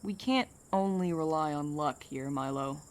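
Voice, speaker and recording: Audio drama role, female actor: pragmatic, protective woman, dry delivery, somewhat low register. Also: normal speed, lightly acted. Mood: pragmatic, wary. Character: steady, pragmatic, protective woman, wryly skeptical. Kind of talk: naturalistic audio drama acting.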